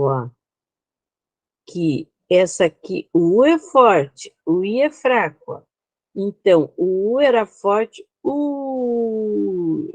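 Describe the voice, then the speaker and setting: Slow-speaking Brazilian woman teaching. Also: lowish voice, a little mellow, no room sound. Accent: Brazilian Portuguese. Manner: slow and explanatory, often pointing out slide details, checks in with students. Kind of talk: online class lecture.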